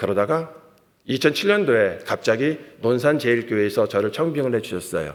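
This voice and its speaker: The man's voice carries vocal fry. Its pitch swings across a very wide range. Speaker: pastor. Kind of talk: sermon. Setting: church revival service.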